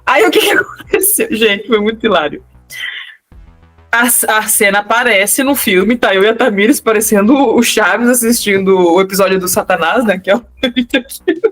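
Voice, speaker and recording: A young woman with a Brazilian Portuguese accent, co-hosting a podcast and telling a story in a casual, animated way with frequent laughter. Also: mid-range voice, normal speed, faint music behind. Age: young adult. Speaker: podcast co-host.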